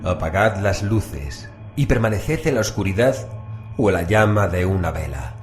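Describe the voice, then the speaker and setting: Very deep, echoing sinister male announcer. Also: lively intonation. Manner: slow, solemn, sinister. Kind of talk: ominous horror announcing. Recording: echoing, music bed. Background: music.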